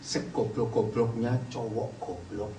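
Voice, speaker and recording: A man preaching a lively sermon to a family gathering, firing questions at the audience and urging them to answer. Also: mid-range voice, measured pace, distant mic. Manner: animated, pushes the audience with repeated questions. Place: indoor hall with an audience. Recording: roomy hall sound, voice off-mic, faint background hiss.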